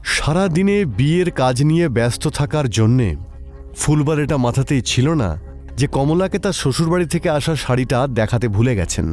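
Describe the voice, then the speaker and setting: একজন পুরুষ কথক লিখিত ভূতের গল্প পাঠ করছেন।. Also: male voice, mid-range voice, lively intonation, moderate pace, darkish tone, soft background music. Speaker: narrator. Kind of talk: scripted horror story narration.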